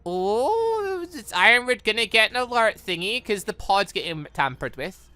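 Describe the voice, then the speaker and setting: A gaming channel host giving excited, rambling, exclamatory playthrough commentary, thinking aloud into a close microphone. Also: mid-range voice, moderate pace, no room sound, faint music behind.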